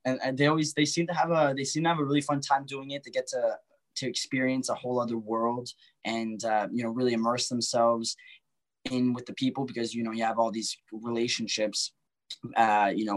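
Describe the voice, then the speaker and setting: A man's voice: medium pitch, low-quality recording. A man from a French-speaking region, a podcast guest chatting casually and rambling with lots of fillers and restarts. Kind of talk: casual chat.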